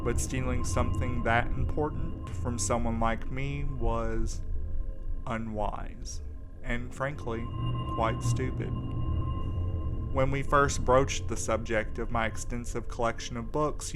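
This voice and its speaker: A man's voice: medium pitch, lightly acted. Wry, reluctant actor-played man over prominent music. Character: reluctant, wry man on a road trip, easily disgusted. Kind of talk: audio drama acting.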